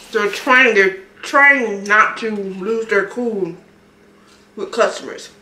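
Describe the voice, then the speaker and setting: A woman's voice: medium pitch, pushed and bright, roomy sound, slight background noise. A woman, chatting casually on her eating vlog and telling a story with frequent laughs. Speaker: mukbang vlogger. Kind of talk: casual chat while eating.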